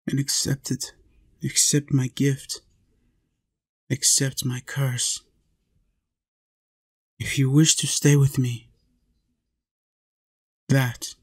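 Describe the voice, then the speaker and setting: In an intimate roleplay audio, a man plays a centuries-old but youthful vampire, delivering a slow monologue to the listener that is coaxing and possessive yet tender. He speaks in deliberate short phrases with pauses, in a medium-pitched, darkish voice.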